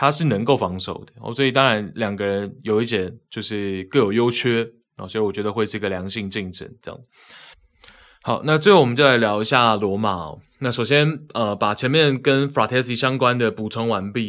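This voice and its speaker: With big swings in loudness and ordinary pitch variation, a man of medium pitch speaks at a moderate pace on a very clean recording with a silent background. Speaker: football podcast host. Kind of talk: solo podcast commentary. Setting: podcast recording. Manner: slightly tongue-tied when recording.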